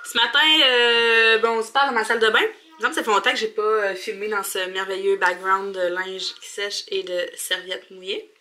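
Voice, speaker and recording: A woman's voice: medium pitch, level tone, fairly quick, bright, forceful tone. A young woman with a Quebec French accent, chatting informally and colloquially to the camera as a vlogger in her home bathroom. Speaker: mom vlogger. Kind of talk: casual vlog chat to camera.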